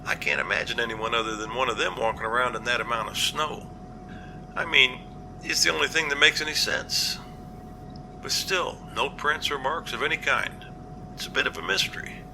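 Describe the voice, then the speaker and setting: A man playing an earnest, cautious captain in an amateur audio drama, reporting in a measured, matter-of-fact way. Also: mid-range voice, background noise, natural voice. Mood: puzzled. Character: male captain, earnest, practical, cautious, plain-spoken.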